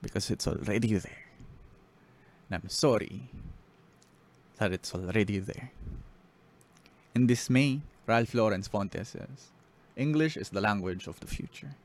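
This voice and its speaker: A man's voice: on the low side, measured pace, long pauses. A man with a Filipino accent, a spoken word poet on a podcast, switching between English and Filipino. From Philippines. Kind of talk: casual podcast talk and spoken word poetry reading.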